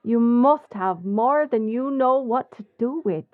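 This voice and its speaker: A woman with an Irish accent playing a bold, sly smuggler captain in an audio drama, composed and cheeky in a measured way. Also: fairly high pitch, no room sound, narrow, tinny audio, lightly acted. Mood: earnest, persuasive. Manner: measured, deliberate. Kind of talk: audio roleplay acting with story narration.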